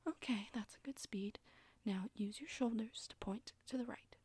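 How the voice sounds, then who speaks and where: A woman voicing a flirty, bossy witch who teaches broom riding, in a soft breathy ASMR roleplay whisper. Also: fairly high pitch, moderate pace, dry recording. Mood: instructive. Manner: teasing, bossy, instructive. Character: flirty, sassy witch broom-riding instructor, condescending but coaxing.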